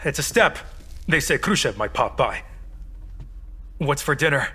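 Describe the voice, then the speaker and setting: An actor playing an eager, emotional artist in dubbed film dialogue. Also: male voice, mid-range voice, animated, measured pace, bright, forceful tone, husky, heavily acted. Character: emotional artist back home.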